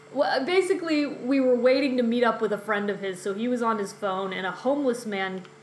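A high-pitched woman speaks with very wide pitch swings. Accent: American. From US. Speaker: podcast co-host. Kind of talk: casual chat.

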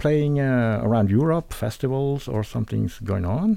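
In a Swiss German accent, a man talks fairly slowly with a medium pitch and a dark, mellow tone. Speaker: radio host. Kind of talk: radio interview. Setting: radio studio.

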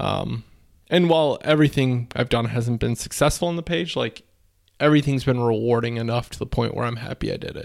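A man with an American accent speaks fairly quickly at a medium pitch with ordinary pitch variation. It is an unremarkable speaking voice. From Wisconsin. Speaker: podcast host. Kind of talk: casual chat. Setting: home recording, video.

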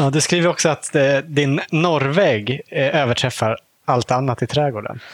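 A man with an unremarkable speaking voice talks at a fairly high pitch and a moderate pace. His pitch varies in an ordinary way, and his loudness stays very even. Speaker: podcast host. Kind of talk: interview. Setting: greenhouse.

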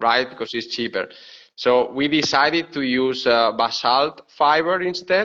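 A man with a fairly high voice speaks fairly slowly with a Spanish accent. His tone is bright and sharp, with ordinary pitch variation. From Spain. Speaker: production manager, aerospace engineer. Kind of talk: interview. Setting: video call from home. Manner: halting, many fillers and repeats.

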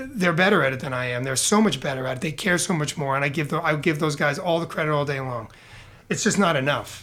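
At a very fast pace, a man with a fairly high pitch and a New York accent talks in a bright, sharp tone with ordinary pitch variation. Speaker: firefighter. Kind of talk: casual chat. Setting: studio.

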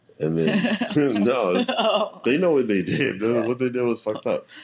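Very wide pitch swings at a fairly slow pace, very even loudness, and noticeable background noise. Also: man, medium pitch for a man. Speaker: podcast guest, stand-up comedian.

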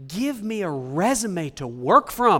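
A man's raised, projected voice, bright and sharp in tone, with very wide pitch swings, on a very clean recording with a silent background. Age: 40s. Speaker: pastor. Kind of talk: sermon. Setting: church.

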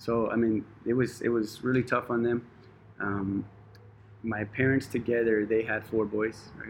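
A man speaks at a moderate pace in a monotone, flat delivery with an American accent. His pitch sits in the medium range, broken by long, frequent pauses. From Chicago, then Rio Grande Valley, Texas. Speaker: ninja competition athlete and gym owner. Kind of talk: interview, personal story. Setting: in his gym.

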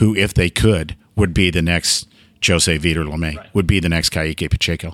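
A man with a very deep, low pitch and fairly even intonation at a moderate pace, in a dry, close sound with no echo on a very clean recording with a silent background. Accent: American. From Oregon. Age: 50s. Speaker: rodeo announcer and radio host. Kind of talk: casual interview chat.

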